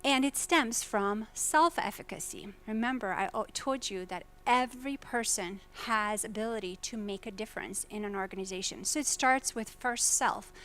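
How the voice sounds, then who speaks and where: A woman from Croatia speaks at a business conference, with an earnest, questioning delivery. Her voice sits at a middle pitch and she keeps turning to the audience with direct questions. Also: normal speed, hardly any pauses, a bit bright. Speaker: faculty presenter. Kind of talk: conference keynote talk. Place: lecture hall at a business summit.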